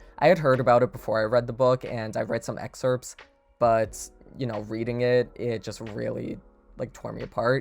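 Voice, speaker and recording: Speech at a moderate pace plays with music in the background. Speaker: YouTube reaction creator. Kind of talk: casual book reaction monologue. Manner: animated.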